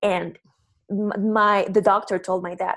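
A woman speaks in a Peruvian accent at a medium pitch. Her intonation is monotone and flat. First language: Spanish. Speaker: health coach. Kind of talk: interview.

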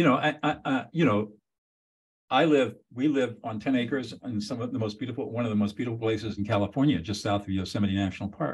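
Rushing at a very fast pace, a man speaks in a somewhat breathy, medium-pitched voice with ordinary pitch variation. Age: 70s. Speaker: podcast host. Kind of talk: interview conversation.

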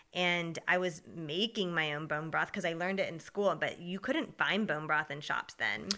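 A woman's fairly low voice with an American accent, moderate in pace with ordinary pitch variation and hardly any pauses, over noticeable background noise. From Atlanta, US South. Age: 30s. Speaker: podcast guest, nutrition school graduate. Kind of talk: personal testimony in casual interview.

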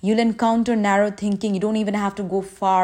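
In an Indian accent, a woman speaks at medium pitch in a dark, mellow tone with monotone, flat intonation. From India, remote town. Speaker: podcast host, corporate professional. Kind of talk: personal monologue podcast.

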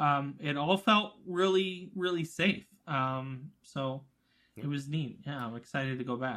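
Speaking with a Canadian accent at a fairly slow pace, a man uses a normal speaking voice with fairly high pitch and ordinary pitch variation. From Canada. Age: 40s. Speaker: podcast host, education technology. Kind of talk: casual chat; scripted introduction.

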